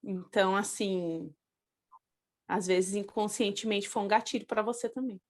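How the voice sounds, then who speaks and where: A woman leading a study group, speaking calmly and slowly and asking reflective questions. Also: medium pitch. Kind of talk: reflective guidance.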